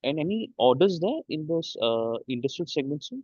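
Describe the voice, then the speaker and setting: A man with an Indian accent politely asking questions as an analyst on a conference call, with halting phrasing. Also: a little high, big pitch swings, a little mellow, no room sound. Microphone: conference call line. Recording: dry, dull conference-call line.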